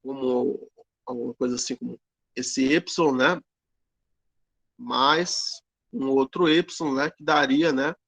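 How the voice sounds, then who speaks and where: A man teaching an online grammar lesson, explaining slowly with many fillers and tag questions. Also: mid-range voice, steady tone, gravelly, fairly bright tone, dry recording. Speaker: Greek teacher.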